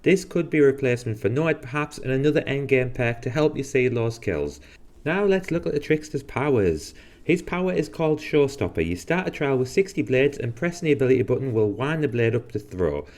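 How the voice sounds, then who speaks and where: A man's voice: medium pitch, animated, brisk, darkish tone. A man hosting a gaming channel, explaining new characters and abilities in a casual way, with the odd dry, sarcastic aside. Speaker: gaming video host. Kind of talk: game guide commentary.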